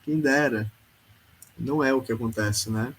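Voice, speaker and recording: A man's voice: mid-range voice, unhurried, fairly bright tone, a little hiss or hum, poor audio. A man hosting a podcast, giving casual, sarcastic political commentary and peppering his speech with filler tags. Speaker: podcast host.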